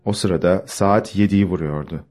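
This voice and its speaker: A man reading an audiobook in first-person scripted narration, with a measured, even delivery. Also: deep voice.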